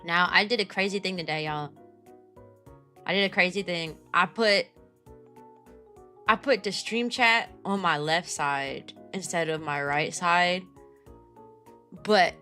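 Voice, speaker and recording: A young woman streaming and chatting casually with her viewers, her voice raspy and tired from teaching, greeting viewers by name in quick bursts. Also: lowish voice, pushed and bright, faint music behind. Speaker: VTuber streamer.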